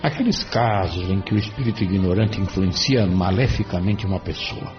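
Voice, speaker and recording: A man voicing a calm, kindly spirit mentor who asks measured questions in an audiobook drama. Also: deep voice, close to an everyday voice. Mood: inquiring. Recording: dull lo-fi, distant from mic, music behind.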